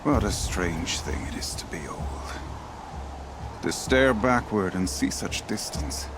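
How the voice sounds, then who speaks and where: An actor playing a weary, proud old tribal hunter in a video game, speaking in a solemn, measured, poetic way. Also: male voice, deep voice, expressive, over music. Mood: reflective. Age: older. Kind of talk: dramatic video game dialogue.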